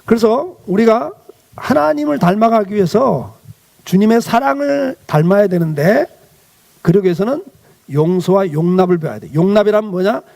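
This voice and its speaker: A man's voice: high-pitched, animated, normal speed, gravelly, a little mellow. A male pastor giving a children's sermon, asking the children questions and then answering them himself.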